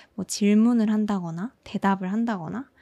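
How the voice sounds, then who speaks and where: A woman's normal speaking voice, fairly high in pitch, with ordinary pitch variation and a fairly slow pace, on a very clean recording with a silent background. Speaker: podcast host teaching Korean. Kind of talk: solo podcast monologue for language learners. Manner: clear, measured pace with rephrasing for learners.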